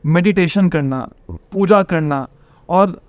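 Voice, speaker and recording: High, smooth-voiced earnest man from Bihar. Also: slow, darkish tone, dry recording. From Bihar, India. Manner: earnest, advice-giving, calls the host brother. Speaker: trader and IIT coaching teacher, podcast guest. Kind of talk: casual interview talk.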